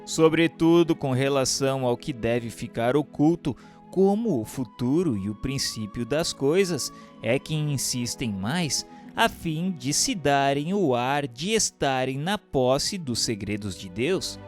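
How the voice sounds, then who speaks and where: A man with a Brazilian accent reading scripted, formal narration and questions in a deliberate manner. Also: mid-range voice, animated, soft background music.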